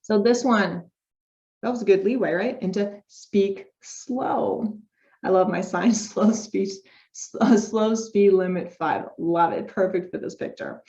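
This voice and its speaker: A woman's voice: mid-range voice, moderate pace, dark tone. A woman giving an informal speech therapy lecture, upbeat and explaining step by step with spoken demonstrations. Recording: dull lo-fi recording.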